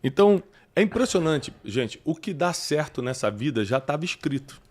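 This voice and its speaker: A man hosting a talk show, animated and preachy, often bringing in scripture. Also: a little high, moderate pace. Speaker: podcast host. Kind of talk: casual chat.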